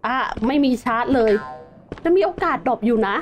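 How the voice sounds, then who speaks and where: A woman's voice: fairly high pitch, animated, brisk, a little hiss or hum. A young woman host chatting through her gameplay, exclaiming often and calling herself by name. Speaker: gaming channel host. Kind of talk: Minecraft gameplay commentary.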